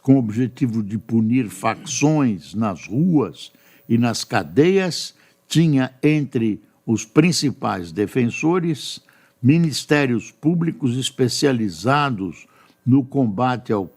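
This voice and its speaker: Older brazilian newsman, gravelly voice, takes his time reading the papers and chatting about them. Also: mid-range voice, lively intonation, a little mellow. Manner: unhurried, chatty asides between readings. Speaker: news anchor. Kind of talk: reading and commenting on newspapers.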